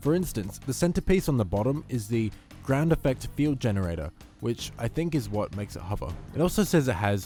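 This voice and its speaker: Music plays behind a man speaking fairly quickly. His pitch swings very widely. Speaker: gaming YouTuber. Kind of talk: video game commentary voice-over.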